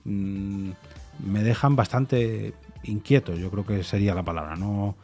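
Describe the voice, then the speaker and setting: A man with a dark, relaxed voice thinks out loud on his podcast, circling his point with restarts and soft repeated no's. A faint music bed runs quietly under him. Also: fairly low pitch, a little slow. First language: Spanish. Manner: thoughtful, hesitant, many restarts and repeated "no". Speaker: podcast host. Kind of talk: reflective solo opinion monologue.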